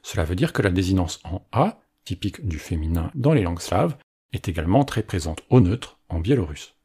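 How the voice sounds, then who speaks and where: A man narrating a scripted language lesson as its teacher, with a clear, explanatory delivery. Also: low voice, very animated, brisk, dark tone.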